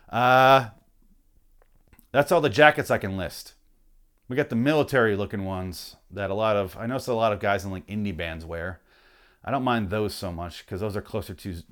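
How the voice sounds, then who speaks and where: Man, swearing comedic ranter, mock outrage, mid-range voice going hoarse. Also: medium pitch, fairly bright tone. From Michigan. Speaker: vlogger ranting on camera. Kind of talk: profane comedic rant.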